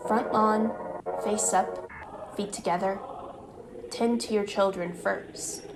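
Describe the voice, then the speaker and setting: A woman's voice: medium pitch, fairly even intonation, takes it slowly, gravelly, rough recording. A woman hosting and narrating a scripted video essay in a conversational way, leaning into dramatic emphasis. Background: background music.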